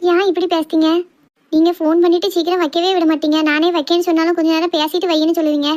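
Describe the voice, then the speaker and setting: A woman's voice: very high-pitched, level tone, quick pace, a little mellow. A woman playing a sweet, easily wounded young girl in love in a cartoon drama, with a southern Tamil Nadu accent. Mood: puzzled, pleading.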